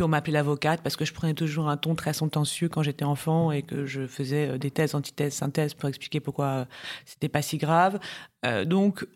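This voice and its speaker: A woman in her forties from Paris, a business tax lawyer chatting as a podcast guest, talking in lively bursts with quick asides and frequent laughs. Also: deep voice. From Paris, France. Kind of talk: casual interview chat.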